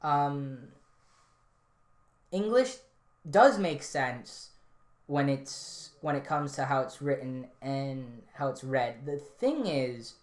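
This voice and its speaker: Casual rambling man in an echoey room. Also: medium pitch. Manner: relaxed, rambling, many fillers and restarts. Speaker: podcast host reading live chat. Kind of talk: casual livestream chat. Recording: roomy echo.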